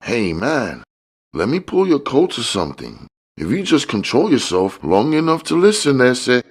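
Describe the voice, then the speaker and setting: A man voicing a fat, smooth-talking, cocky Mexican drug dealer in an audiobook, using slangy street talk with bits of Spanish. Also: mid-range voice, huge pitch swings, moderate pace, voice pushed up, full character voice. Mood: cocky, schooling. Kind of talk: audiobook character dialogue.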